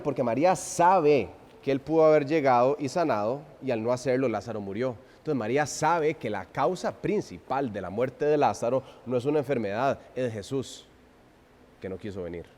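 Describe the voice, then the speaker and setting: A man preaching an expository sermon, swinging from loud emphasis to hushed, drawn-out phrases and asking the congregation rhetorical questions. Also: mid-range voice, expressive. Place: church sanctuary. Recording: long reverb of a church hall.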